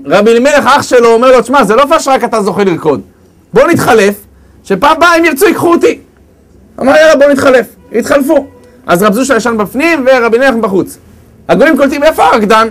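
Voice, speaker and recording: A man giving a storytelling religious lecture, lively and acting out the characters as he goes. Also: very high-pitched. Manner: lively, acts out characters with big swings of voice. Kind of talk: storytelling sermon.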